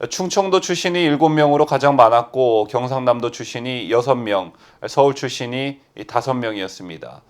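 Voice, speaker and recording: A middle-aged man reading political news commentary at a steady pace, often opening sentences with "ah". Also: medium pitch, a little fast, hardly any pauses, clean tone. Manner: steady reading with frequent "ah" fillers.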